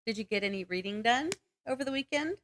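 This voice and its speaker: A woman co-hosting a podcast, chatting casually with a friend in a playful, teasing way and quick to laugh. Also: fairly high pitch, lively intonation, fairly bright tone, slight background noise. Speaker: podcast co-host. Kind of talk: casual chat between friends.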